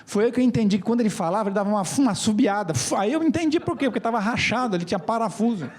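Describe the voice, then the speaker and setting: Animated, joking São man. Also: high voice, racing. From São Paulo, Brazil. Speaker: speaker at an event. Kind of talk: comedic storytelling talk. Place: stage at a conference.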